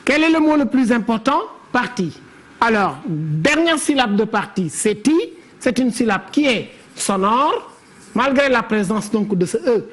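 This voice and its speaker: A woman's voice: on the high side, sing-song, measured pace. A woman teaching a classroom lesson on verse. She explains step by step and calls on pupils by name. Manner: didactic, questions pupils by name.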